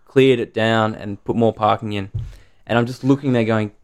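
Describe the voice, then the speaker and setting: A man in his thirties, a podcast co-host telling stories in relaxed casual chat, swearing now and then. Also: on the low side, moderate pace.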